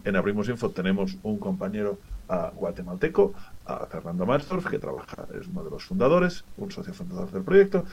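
A man from Barcelona, with a Spanish accent tinged with Mexican, speaking as a guest in a radio interview and explaining his project in a lively, chatty way. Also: lowish voice. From Barcelona, Spain. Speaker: guest, director of a data project. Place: remote from another city, away from the studio.

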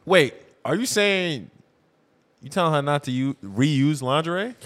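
A man's voice: a little high, animated, measured pace, a bit bright. A man hosting a casual group talk show in a slangy, joking way.

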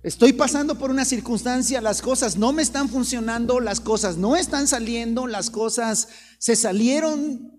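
A man preaching a sermon as a pastor, dramatic, swinging from loud emphasis to soft low passages and acting out quoted voices. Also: normal speed. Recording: long reverb, faint room noise.

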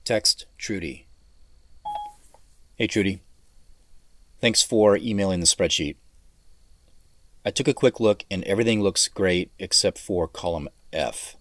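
An actor playing a weary, polite tech CEO dictating messages in short, measured, businesslike phrases. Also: male voice, sits low, fairly bright tone.

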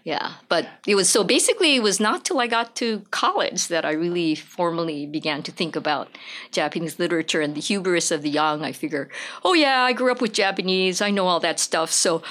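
Woman professor from Hawaii, lower register, relaxed chatty interviewee with frequent fillers and soft laughs. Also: fairly quick. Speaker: professor of Japanese literature. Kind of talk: casual interview talk.

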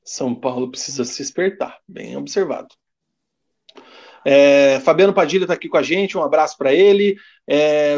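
A man's voice: on the high side, darkish tone, lo-fi sound. A Brazilian man co-hosting a casual sports podcast, reading standings and listener comments with a joking tone. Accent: Brazilian Portuguese. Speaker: podcast co-host.

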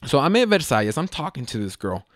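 Young man, casual rambling story, slang, mid pitch, dry close sound. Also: very animated, quick pace, no room sound. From Las Vegas, USA. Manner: rambling, self-correcting, slangy. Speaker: vlogger.

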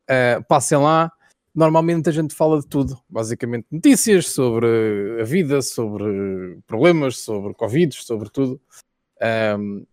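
A man's voice: mid-range voice, a little mellow, no echo, studio quality. A man with a European Portuguese accent, a guest streamer chatting casually and jokingly.

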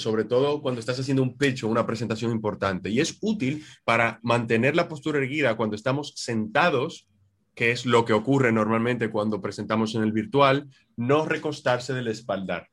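Spanish-accented man explaining patiently. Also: medium pitch. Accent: Spain. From Spain. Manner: measured, instructive, slows down on key words. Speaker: communication trainer. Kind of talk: explanatory interview answers.

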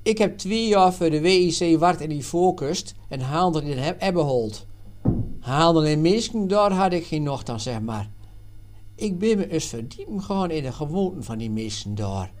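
A man reading aloud and voicing Jan, an adult man and worldly former trader who explains things earnestly and loudly. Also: a little high, animated, normal speed, voice pushed up, close to an everyday voice.

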